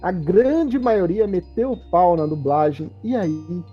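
A woman's voice: fairly low pitch, animated, a little slow, husky. A woman hosting a casual livestream chat in Brazilian Portuguese, reading viewer comments aloud and putting questions to her co-hosts. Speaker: host. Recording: dull lo-fi stream audio with faint music.

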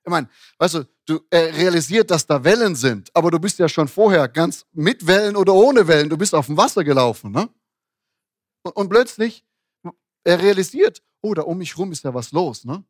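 A male pastor delivers a sermon in a loose, conversational way, often restarting his sentences and checking in with short tag questions. His voice sits a little high for a man. The sound is close and dry, with almost no room around it. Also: animated, moderate pace, no echo.

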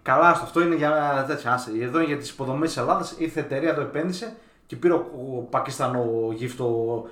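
Loud joking man in an echoey room. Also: on the high side. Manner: loud, swearing, laughing, jokey. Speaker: podcast co-host reading listener messages. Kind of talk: casual crude banter.

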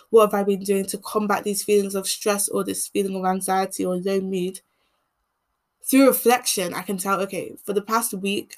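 A young woman from England hosting a podcast, speaking in an earnest, measured monologue, with a voice that turns croaky as she keeps talking. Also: medium pitch. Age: teens. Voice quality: croaky voice when speaking long. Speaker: podcast host. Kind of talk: reflective solo monologue.

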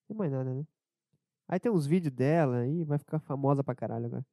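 A man with a southern Brazilian accent rambling casually as a solo podcast host, low-energy and irreverent, hungover and under the weather with a cold. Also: quick pace, warm tone, no room sound, clean studio sound. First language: Portuguese. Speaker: podcast host and amateur comedian.

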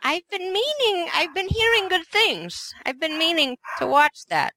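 A woman playing a dotty old woman comedian in her late seventies who is losing her voice, giving vague, deadpan answers in an improvised comedy podcast. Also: very high-pitched, a little slow, slight background noise, exaggerated voice. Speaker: podcast guest.

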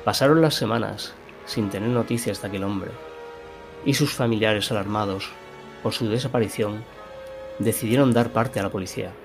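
A man's voice: lowish voice, moderate pace, creaky, music in the background. A man playing a sinister narrator of a macabre horror tale, dramatic and ominous. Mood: grim, dramatic.

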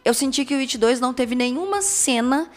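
A woman in a casual film review chat, talking in an animated way, correcting herself and laughing often. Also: sits high, brisk.

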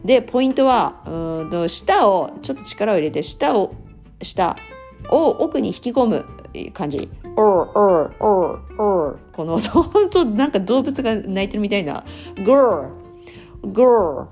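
A woman's voice: medium pitch, sing-song, normal speed, darkish tone, soft background music. A woman from Japan explaining English sounds in a chatty, casual way, laughing often and sounding out words. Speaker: English pronunciation podcaster.

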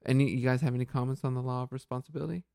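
A man's voice: medium pitch, steady tone, rapid-fire, gravelly, mellow, dry recording, studio quality. A man hosting a podcast in casual, reflective chat, thinking aloud earnestly with many fillers and restarts. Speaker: podcast host.

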